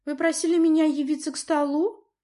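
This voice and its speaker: A woman voicing a timid teenage lioness princess who pleads in a high, desperate voice. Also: flat delivery, fairly quick, warm tone, close to an everyday voice. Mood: bewildered. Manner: pleading, breathless, high-strung.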